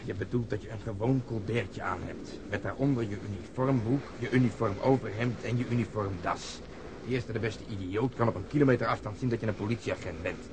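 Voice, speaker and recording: An actor playing a blunt, sardonic, impatient police detective in a radio drama. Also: male voice, lowish voice, fairly quick, lightly acted. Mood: scolding, sardonic. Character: gruff, sarcastic, impatient plainclothes police detective, male. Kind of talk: Dutch radio drama acting. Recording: noisy old radio drama recording.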